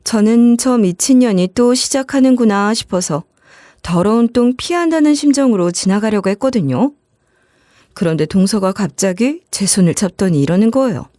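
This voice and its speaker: A woman narrating a first-person story in a conversational, expressive way. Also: mid-range voice, moderate pace, no room sound, studio quality.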